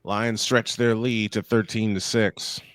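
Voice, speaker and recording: A young man calls football action in a measured play-by-play style. His voice sits low and sounds smooth and clean. The sound is dry and close. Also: level tone, a bit bright, no echo. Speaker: play-by-play commentator. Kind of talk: live sports commentary.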